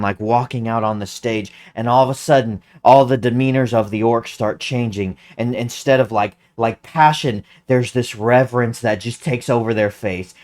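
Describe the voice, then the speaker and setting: Excitable stammering online commentator. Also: mid-range voice. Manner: stammering, restarts words when excited; animated, hums music aloud.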